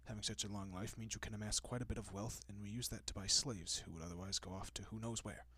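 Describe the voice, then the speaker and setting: A man playing a gentle, courteous, possessive vampire in an intimate audio roleplay, speaking softly and often dropping to a whisper with hushed reassurance. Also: fairly low pitch, steady tone, fast talker, breathy edge, no echo. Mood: calm, apologetic. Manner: hushed, reassuring, politely old-fashioned.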